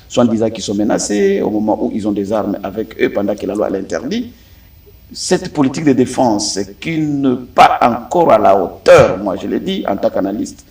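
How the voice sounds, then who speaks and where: A Congolese man speaking as a political analyst in a debate, deliberate and emphatic, pausing often to hesitate. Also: fairly low pitch, darkish tone, far from the mic. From Democratic Republic of the Congo. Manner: deliberate, frequent hesitations, rising emphatic stresses. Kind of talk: studio debate commentary.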